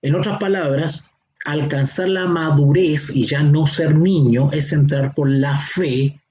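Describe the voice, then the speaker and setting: A man with a Chilean accent, his voice a little higher than most men's, teaches a Bible seminar in a slow, deliberate way. He drags out the words that matter and keeps asking if everyone is following. A faint hiss sits under his voice. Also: fairly even intonation, a little mellow, poor audio. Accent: Chilean Spanish. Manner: explains slowly, stretching key words, with frequent checks like "¿ya?". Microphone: online class or teleconference.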